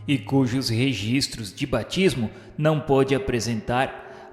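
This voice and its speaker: A man's voice: mid-range voice, close to an everyday voice. A man playing a tormented, vengeful Jesuit officer of the Inquisition, confessing in solemn, formal, theatrical radio novela narration. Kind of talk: dramatized first-person radio novela narration. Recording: echoey hall reverb, music behind.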